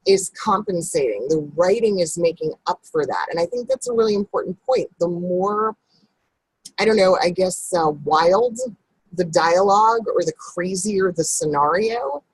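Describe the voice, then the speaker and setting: A woman voiceover coach chatting casually in an interview, animated, with big upward jumps in pitch when she stresses a point. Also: moderate pace, husky, dry recording, low-quality recording.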